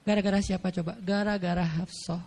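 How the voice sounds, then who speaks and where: A man preaching in a relaxed, conversational way, retelling a story with slang and acted quotes. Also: high voice, fast. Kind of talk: casual storytelling sermon.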